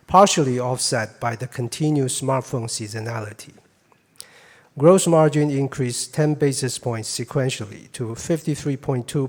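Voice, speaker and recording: A man reads a scripted financial presentation as a stiff, formal, measured executive. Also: medium pitch, a little mellow. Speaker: chief financial officer presenting results. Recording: hall reverb from a conference room.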